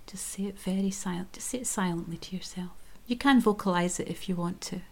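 A woman guiding a chakra meditation in a soft, gentle whisper. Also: medium pitch, brisk. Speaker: meditation guide.

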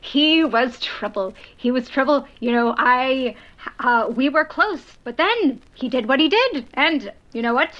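A woman's voice: sits high, expressive, measured pace, highs cut off. Gilderoy Lockhart, a woman playing a vain celebrity wizard on an old recording. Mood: boastful. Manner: boastful, self-promoting, evasive. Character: vain boastful male celebrity wizard, charming fraud.

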